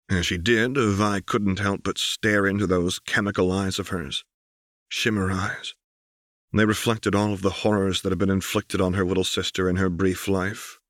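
A man's voice: deep voice, fairly bright tone, dry recording, clean studio sound. A man reading an audiobook as scripted, dramatic story narration. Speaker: audiobook reader.

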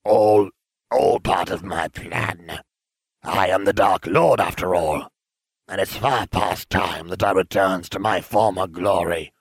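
Villain for audio storybook: a man as pompous disembodied dark lord, deep register, unhurried, deadpan, close dry sound. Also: slightly rough, no room sound, heavily acted. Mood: imperious. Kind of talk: fan fiction audio storytelling.

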